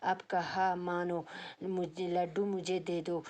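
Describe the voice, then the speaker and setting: A woman's voice: fairly low pitch, little pitch movement, takes it slowly, a little mellow. A simple, hungry old woodcutter who pleads for food in a plaintive voice, as read by a woman teacher. The voice stays close to her everyday reading voice. This is a classroom read-aloud of a play. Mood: pleading.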